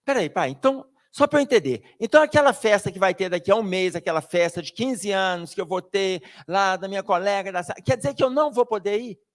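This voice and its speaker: A man's voice: high voice, expressive, fairly quick, few pauses. A man acting out a reluctant teenage son who whines and refuses. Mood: stubborn. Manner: stubborn, whining refusals.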